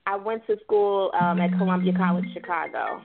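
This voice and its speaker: A woman's voice: fairly low pitch, fairly even intonation, normal speed, creaky, over loud music. A woman musician giving an interview over a crackly phone line that fades in and out, talking hesitantly with many fillers and laughing at her own jokes. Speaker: musician guest.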